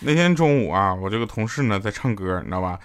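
A man's voice: on the low side, animated, quick pace, loud music behind the voice. A man performing a stand-up comedy monologue, telling jokes with playful asides. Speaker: comedian and sponsor spokesman.

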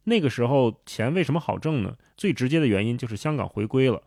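A man's voice: mid-range voice, expressive, fast talker, vocal fry, a little mellow, no room sound, clean studio sound. A man co-hosting a book podcast, casually introducing and reading a chapter opening. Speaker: podcast co-host.

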